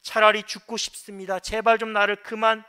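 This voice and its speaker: A man's voice: high voice, little pitch movement, fairly quick, pushed and bright, clean tone, pitched above the performer's own voice. A pastor acting out the words of a suffering man who cries out to God, pleading desperately with a raised voice. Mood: anguished pleading.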